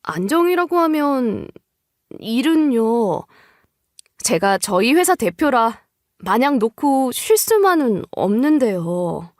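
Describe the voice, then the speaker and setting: A woman's voice: fairly high pitch, sing-song, slow, no room sound, clean studio sound. A woman acting an anxious pregnant company boss in an audio story. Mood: anxious, torn. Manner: anxious, hesitant.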